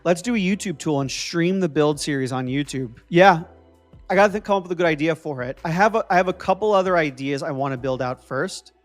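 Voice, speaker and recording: A young man from New Jersey hosts a casual live stream, thinking out loud as he works and answering viewers. His voice sits a little high for a man. Faint music plays quietly behind him. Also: fairly quick. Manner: thinking aloud while coding, answering viewer chat.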